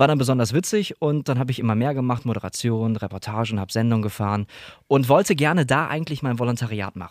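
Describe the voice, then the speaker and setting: A medium-pitched man at a very fast pace, ordinary pitch variation, very clean recording and silent background. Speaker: voice actor and actor. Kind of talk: casual interview.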